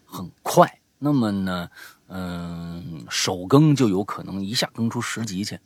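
A man with a very low voice full of gravelly fry hosts a show. He promotes it in loose, casual talk, often repeating a phrase to drive it home. The sound is dry and close. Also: lively intonation, a little slow, no echo. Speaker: show host and audio storyteller.

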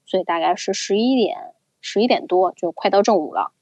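A young woman casually telling a story as a podcast co-host, with an animated, chatty manner. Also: mid-range voice, a little fast, no echo. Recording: slightly dull, dry recording.

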